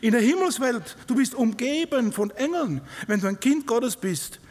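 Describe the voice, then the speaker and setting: A middle-aged man with a Swiss German accent preaches with emphasis, often putting questions to his listeners. His voice sits rather high for a man. It rings out in a large hall with a long reverb. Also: animated, moderate pace. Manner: emphatic, asks the congregation questions. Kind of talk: sermon. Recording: live recording in a reverberant hall.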